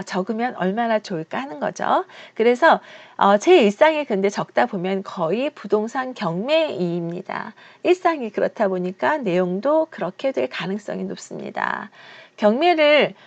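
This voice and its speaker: A woman's voice: a little high, creaky, dull audio. A woman in her fifties talking earnestly and reflectively to her viewers in a personal vlog. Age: 50s. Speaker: real estate auction instructor and YouTuber.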